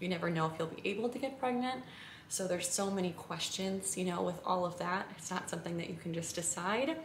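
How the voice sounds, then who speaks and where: A woman's fairly low-pitched voice amid audible room echo and noticeable background noise. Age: 30s. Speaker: lifestyle and family vlogger. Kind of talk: casual vlog talk to camera. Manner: fast.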